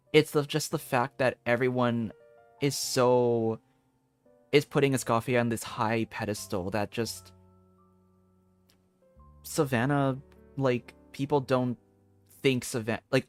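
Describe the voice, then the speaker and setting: A man giving casual commentary on a game, thinking aloud in a halting, repetitive way. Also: mid-range voice. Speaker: streamer. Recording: game music behind the voice.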